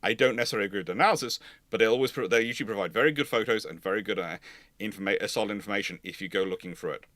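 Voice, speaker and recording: A man's voice: fairly low pitch, rapid-fire, a bit bright, dry recording. A man hosting a history livestream, giving casual expert commentary in an explanatory, digressive and emphatic way.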